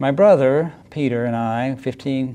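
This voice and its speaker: With a Southern US accent, this man talks at a medium pitch in a dark, mellow tone, his pitch moving in an ordinary way, on a very clean recording with a silent background. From North Carolina. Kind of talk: sermon. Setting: church.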